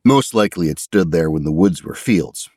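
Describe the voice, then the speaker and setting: A man's voice: sits low, expressive, normal speed, a little mellow, slightly rough, no echo, studio quality. A man reading a first-person short story as an audiobook narrator.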